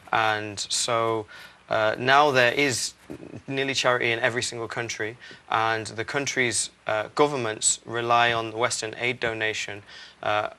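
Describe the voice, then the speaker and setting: A young man from Barbados, founder of a charity, answering interview questions earnestly with many "uh" pauses. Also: lowish voice, bright, forceful tone. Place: TV studio.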